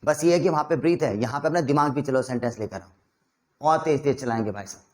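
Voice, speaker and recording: A man with an Indian accent teaching a spoken English lesson, mixing Hindi with English and coaxing learners through rapid drills. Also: mid-range voice. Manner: energetic, coaxing drill instructor.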